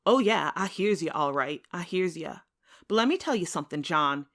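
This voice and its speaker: A woman voicing a wounded, defiant man in a dramatic novel reading, building to loud, insistent repetition. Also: on the low side, lively intonation, normal speed. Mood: defiant, anguished. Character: wounded man, defiant and furious, in a read-aloud novel scene.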